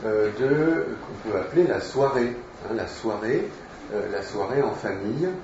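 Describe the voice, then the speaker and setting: A man's voice: on the low side, lively intonation, moderate pace, a little mellow, slight background noise. Hesitant male teacher in an echoey hall. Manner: hesitant, many fillers, explanatory. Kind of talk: literature lecture, reading aloud. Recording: echoey room, distant mic, dull sound.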